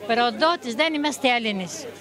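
A woman's voice: a little high, lively intonation, a bit bright, a faint crowd. Heartfelt patriotic older woman.

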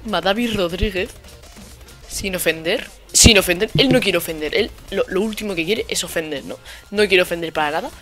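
Young Spanish gamer mocking hater comments. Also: male voice, sits high, moderate pace, sharp tone, soft background music. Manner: mocking, repeats insults with sarcasm. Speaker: gaming youtuber. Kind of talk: casual commentary over gameplay.

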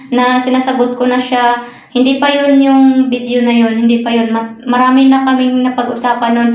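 A woman from the Philippines working abroad as a nanny, giving a soft-spoken, polite personal account. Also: on the high side. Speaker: overseas nanny. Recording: echoey room with faint noise.

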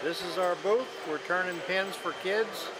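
A man's voice: high-pitched, measured pace, very noisy. An older man casually introducing his club's booth to camera. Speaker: woodturning club exhibitor. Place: large exhibition hall. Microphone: handheld microphone. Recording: loud music over busy hall.

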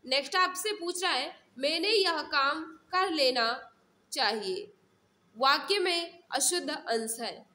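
Female teacher, high-pitched, bright sharp tone, instructive, repetitive quiz-lesson delivery. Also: expressive, takes it slowly. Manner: instructive, repeats questions and answers, addresses viewers as friends. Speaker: teacher, online exam class host. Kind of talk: live mock-test lesson, reading questions and explaining answers.

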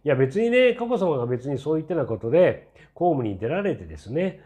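Brief: man in his 60s, channel host, rambling skeptical commentary, mellow tone, pitch that leaps up and down. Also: big pitch swings, fast. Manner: chatty and rambling, many fillers and tag asides; skeptical, mildly mocking. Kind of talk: casual opinion commentary.

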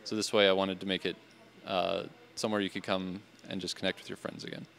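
A young man in his twenties answers interview questions quickly and earnestly, stumbling a little now and then. His voice sits low, and he speaks into a handheld mic in a board game cafe. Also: level tone, gravelly, a bit bright. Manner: quick, earnest, slightly halting. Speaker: cafe owner.

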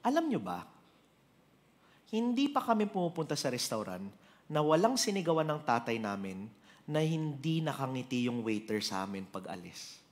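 A man preaching a sermon with a Filipino accent, telling stories in an animated way and switching between Tagalog and English. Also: medium pitch, normal speed.

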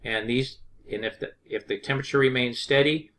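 A man, an HVAC instructor, explaining refrigerant pressure step by step over drawn diagrams in a plain, unhurried way with frequent restarts. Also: medium pitch, fairly even intonation, fairly bright tone.

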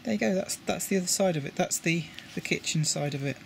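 A man's voice: sits high, fast talker, gravelly, a little hiss or hum. A British man explaining his model railway coach lighting work in a casual tutorial, often repeating words as he handles the parts. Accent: British English. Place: indoors at a table with a model railway.

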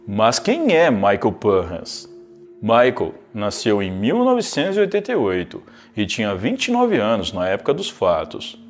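A man's voice: lowish voice, huge pitch swings, normal speed. A man, narrating a true crime case in a scripted, storytelling way as a video host. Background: faint background music.

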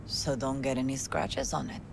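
Gravelly, grieving Latina mother. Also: rumbling low, flat delivery, moderate pace, noisy background. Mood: fond. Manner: mixes Spanish words into her English. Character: bereaved Mexican-American mother, warm, proud, sharp-tongued matriarch. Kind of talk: cinematic video game acting. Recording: music behind the voice.

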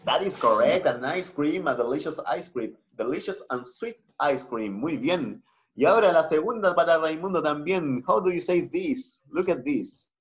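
Chilean guy teaching english over video call, mixes slow english w spanish, muffled sound. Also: on the high side, animated. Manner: switches between slow English and Spanish explanations. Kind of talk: online class teaching.

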